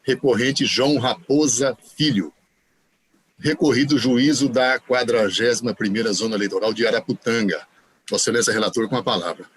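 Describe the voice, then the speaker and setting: A man presiding over a court session, announcing results and calling cases in a steady, formulaic way. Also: mid-range voice, brisk, a little hiss or hum. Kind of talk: formal announcements.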